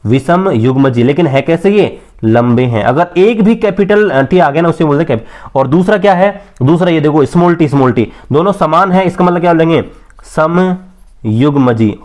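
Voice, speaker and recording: A man's voice: on the high side, darkish tone. A man teaching an exam-prep biology lesson at a board, quizzing students and answering his own questions, stretching key terms word by word.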